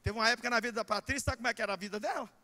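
A middle-aged man with a Brazilian Portuguese accent preaching a sermon in a church, animated and shouting, with comic asides. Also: extremely high pitch, racing. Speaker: pastor.

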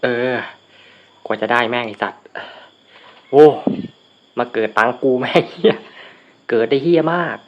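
A man casually commentating his own shooter game from a room at home, with shy mumbled asides that break into loud cursing outbursts. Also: medium pitch, normal speed. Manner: swears and shouts in bursts at the game. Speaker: gamer recording a let's play. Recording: dull lo-fi sound with faint noise.

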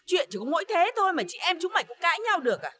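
A woman's voice: extremely high pitch, big pitch swings, racing, a bit bright, exaggerated voice. An actress playing an indulgent older mother-in-law in a TV drama, scolding her children while doting on her daughter-in-law. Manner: scolding but doting, exasperated sighs.

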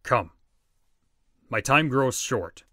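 A man's voice: medium pitch, lively intonation, very slow, bright, forceful tone, a little hiss or hum, exaggerated voice. A man playing a stern, impatient spirit of Christmas past, scornful and curt, in a fan audio drama.

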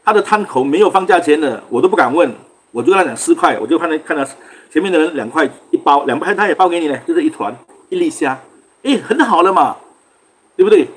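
A man's voice: a little high, lively intonation, fast, breathy edge. A man with a Singaporean accent, hosting a livestream and telling a story in casual chat. He acts out quarrels in raised voices and mixes in English words. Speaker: livestream host.

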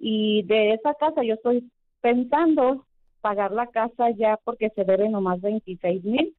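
A woman's voice: a little high, unhurried, no echo. A woman calling into an advice show, speaking hesitantly with many fillers, over a phone line. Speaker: caller.

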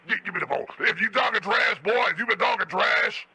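Man playing a trash-talking Southern junkyard man, gravelly, high-pitched, crowd noise. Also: animated, sharp tone, exaggerated voice. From Georgia. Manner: trash-talking, insults, drawn-out "boy". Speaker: prank caller.

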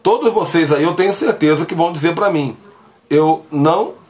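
Preaching live from a small bedroom while sick with covid, a pastor speaks emphatically and directly to viewers through a phone camera at arm's length, gesturing broadly. His voice runs on the high side, expressive and darkish in tone, at a normal speed.

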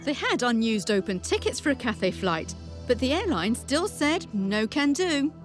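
A New Zealand woman reporter narrates a news piece with a bright, fairly high voice. She lands her points with wry emphasis. Soft music runs under her voice. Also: sing-song, normal speed. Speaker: consumer affairs reporter.

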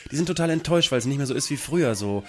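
A German man hosting a comedy radio show, riffing fast through absurd jokes and tangents. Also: medium pitch, expressive, a little mellow. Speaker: radio host. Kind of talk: improvised comedy radio chat.

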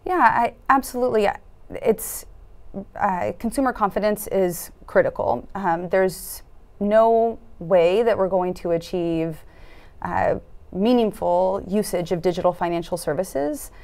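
A woman in her thirties giving earnest interview answers in a studio, often pausing with fillers and restarting her sentences. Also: mid-range voice, darkish tone. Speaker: foundation program officer, interviewee. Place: dark studio set at a conference.

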